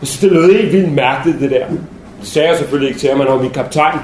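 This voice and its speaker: A man's voice: a little high, darkish tone, close to an everyday voice. A young man acting a brash, shaken male soldier in a theatrical monologue, coarse and restless, in a roomy space with faint noise. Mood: defiant.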